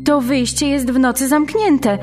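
A woman's voice: high voice, fairly even intonation, measured pace, darkish tone. An actress playing an anxious young woman on an urgent mission in a language-learning radio drama, jumpy and full of questions. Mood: curious, focused. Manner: jumpy, questioning, faltering in foreign-language phrases. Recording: music behind the voice.

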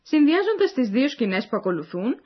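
A woman's voice: sits high, very animated, breathy edge. A woman reading the scripted narration of a language course, explaining and addressing the listeners. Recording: dull lo-fi recording.

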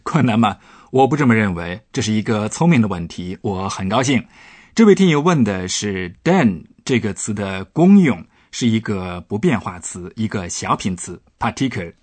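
A man's voice: on the low side, sing-song, normal speed, darkish tone, no room sound. A man, a professor, patiently explaining German grammar points on a radio language lesson. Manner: patient, explanatory, stresses example words.

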